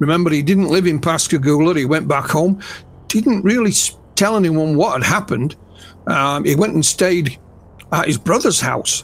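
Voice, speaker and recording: A man with a Yorkshire accent speaks at a fairly high pitch and a moderate pace. His loudness stays very even, with ordinary pitch variation. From West Yorkshire, northern England. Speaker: ufologist and writer. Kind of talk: interview. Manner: halting, with many fillers.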